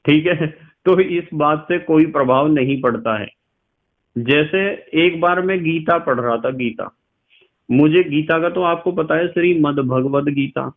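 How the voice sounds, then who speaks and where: A middle-aged man with a western Uttar Pradesh Hindi accent lectures on chemistry, his voice sitting somewhat high. He explains slowly, repeats key phrases and keeps asking his students questions. The sound is thin and tinny, as if through a phone. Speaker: chemistry teacher. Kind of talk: classroom lecture.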